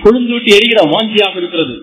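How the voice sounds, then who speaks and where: A man interpreting a sermon sentence by sentence, rapid and fervent. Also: high-pitched, fairly bright tone, poor audio.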